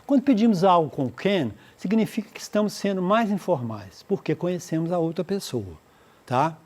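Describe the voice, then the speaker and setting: A man with a Brazilian accent teaching an English lesson for exam prep. He slows down to model English phrases, then translates and explains them, checking in with "né?" and "tá?". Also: sits high, lively intonation, darkish tone. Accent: Brazilian Portuguese. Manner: explanatory, repeats points with "né?" and "tá?".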